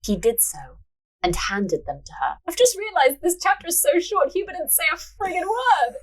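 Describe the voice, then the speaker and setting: A woman's voice: very high voice, sing-song, moderate pace. A woman hosting a story podcast, moving between narration and casual banter. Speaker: podcast host, writer and narrator.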